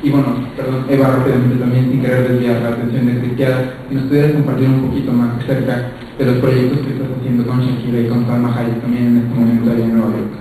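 A man's voice: medium pitch, monotone, fast talker, dark tone, a little hiss or hum. A male reporter asking a long, formal question at a press conference in a large hall. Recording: echoey hall from far off.

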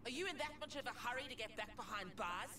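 Distant, noisy recording, authoritative female military leader acted by a woman, animated intonation, stern, game cutscene. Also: on the high side, fast talker, natural voice. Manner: firm, authoritative. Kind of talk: video game cutscene acting.

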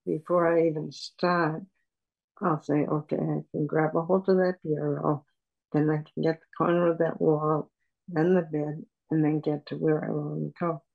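Older lady on a webcam, slow, flat, gravelly, muffled lo-fi sound. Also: deep voice. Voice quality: soft voice. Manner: slow, halting, with many pauses and fillers. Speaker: patient. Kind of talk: personal account in an interview. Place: room at home. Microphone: video call webcam.

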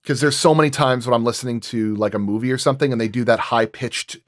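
A man's voice: mid-range voice, quick pace, no echo, clean studio sound. A man speaking as a sound designer in a roundtable, thinking aloud and repeating and rephrasing as he explains his craft.

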